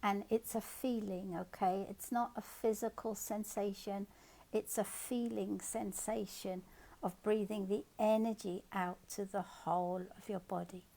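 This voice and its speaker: A woman guides listeners through a meditation at a very unhurried pace. Her voice is mellow and carries a gravelly fry, and she gives soft instructions, repeating her phrases to settle the listener. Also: medium pitch, fairly even intonation.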